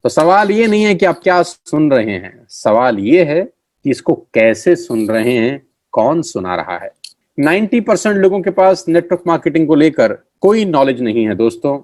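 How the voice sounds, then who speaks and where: A man's voice: on the high side, sing-song, moderate pace, a little mellow, no room sound. A middle-aged man giving a motivational business presentation, emphatic and repetitive, slipping English catchphrases into his talk. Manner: emphatic, repeats key phrases for effect; mixes English catchphrases into Hindi. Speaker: network marketing presenter.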